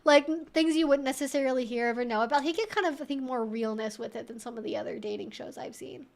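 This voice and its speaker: A woman's voice: high voice, fast. A woman livestream host chatting casually, in a rambling, informal way peppered with "like". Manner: rambling, informal, frequent "like" and swearing.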